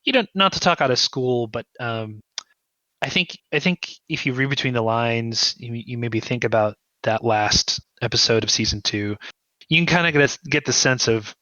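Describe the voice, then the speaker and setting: A man speaking as a podcast guest, discussing fiction in a reflective, analytical way with deliberate emphasis. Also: medium pitch, animated, pushed and bright, dry recording, highs cut off.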